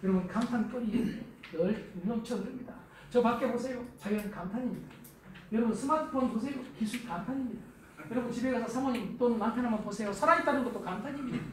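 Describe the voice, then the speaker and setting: A middle-aged man giving a lively lecture to a live audience, acting out the spouses he quotes in a raised voice. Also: very high-pitched, fast talker. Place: lecture hall. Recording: echoey hall from far off, faint noise.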